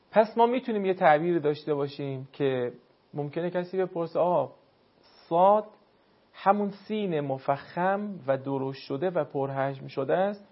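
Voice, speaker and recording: Man teaching pronunciation, slightly high voice. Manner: explains patiently, demonstrates sounds slowly. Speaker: Quran recitation teacher. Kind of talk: spoken pronunciation lesson. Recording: dull lo-fi sound.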